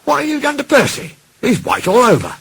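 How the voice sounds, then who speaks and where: A man voicing a cheerful, teasing male railway signalman with a bright, jokey manner, music behind. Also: extremely high pitch, huge pitch swings, fairly quick, creaky, slight background noise, voice pushed up, heavily acted.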